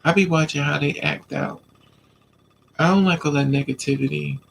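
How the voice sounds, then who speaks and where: A man's voice: on the high side, moderate pace, vocal fry, slight background noise, low-quality recording. A man with a stuffy nose from a coming cold, chatting casually on a live stream and answering viewers' comments. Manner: relaxed, chatty, talks back to commenters.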